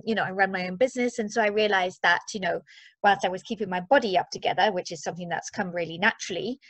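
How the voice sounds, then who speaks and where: A woman in her forties from Zimbabwe speaks with a mid-range voice in a dry, echo-free sound. She is a chatty, playful coach talking casually as an interview guest. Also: mid-range voice. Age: 40s.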